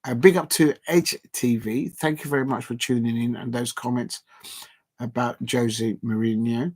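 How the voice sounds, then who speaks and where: Male football streamer, casual late-night sign-off, filler-heavy ramble, ordinary middle pitch. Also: fairly even intonation, moderate pace, breathy edge. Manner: rambling, filler-heavy, reading out chat shout-outs. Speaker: football watch-along streamer. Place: at home at night with a TV on.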